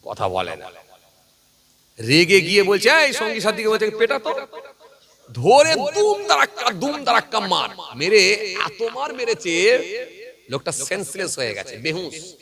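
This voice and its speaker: High-voiced animated Bengali preacher. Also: male voice, moderate pace. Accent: West Bengal Bengali. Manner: animated, keeps asking the crowd if they follow. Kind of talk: storytelling sermon. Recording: preacher before a live crowd. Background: crowd.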